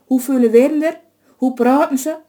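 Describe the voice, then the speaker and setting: A woman's voice: high-pitched, normal speed, mellow, pitched above the performer's own voice, close to an everyday voice. A woman doing a stubborn young officer. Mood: determined. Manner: blunt, obstinate. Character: determined young man, stubborn justice officer.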